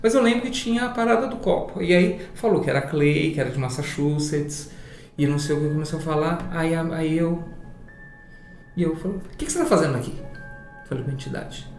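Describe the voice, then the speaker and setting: A man with a Brazilian Portuguese accent, telling a story casually in an interview, animated and swearing. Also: a little high, a little fast, creaky, echoey room, faint music behind. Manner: animated, swearing, acts out voices in his story.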